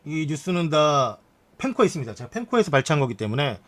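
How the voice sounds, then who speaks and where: A man's voice: on the high side, big pitch swings, fast, fairly bright tone. A man streamer reading news articles aloud on a live stream and adding frank asides to his chat.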